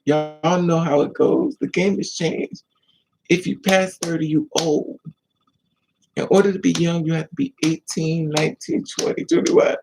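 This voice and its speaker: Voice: mid-range voice, measured pace, creaky, background noise. A man with an American accent chatting casually and candidly to livestream viewers in a sassy, storytelling manner. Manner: candid, sassy, animated storytelling with mocking quotes. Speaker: livestream host.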